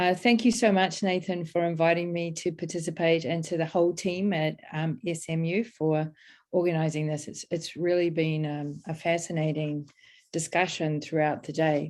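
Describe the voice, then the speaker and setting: Speaking with a New Zealand accent, a woman with a fairly low pitch keeps a moderate pace and fairly even intonation. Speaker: law professor. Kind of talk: panel presentation. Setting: video call.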